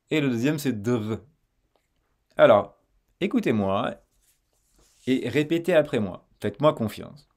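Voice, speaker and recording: A man teaching French pronunciation, slowly modelling words and phrases and repeating them for the listener to copy. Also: mid-range voice. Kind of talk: pronunciation lesson.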